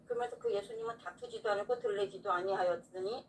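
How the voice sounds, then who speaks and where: A woman's voice: medium pitch, fast talker. A woman pastor telling an earnest, emotional personal testimony in a casual faith conversation. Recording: distant mic with faint background noise.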